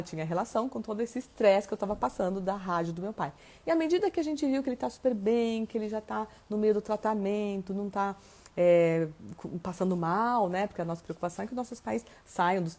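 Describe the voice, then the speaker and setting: A woman hosting a live stream, chatting and answering viewers' comments, tagging nearly every phrase with a quick question. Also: medium pitch. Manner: greets viewers by name warmly and lively. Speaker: host of a live stream on family systems.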